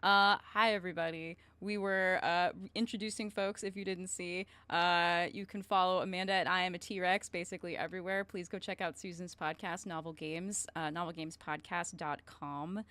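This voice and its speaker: A woman's voice: on the low side, fairly even intonation, normal speed, hardly any pauses, a bit bright, clean tone, no echo. A woman hosting a stream, chatting casually as she introduces things to viewers. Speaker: stream host. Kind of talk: casual chat, introducing guests.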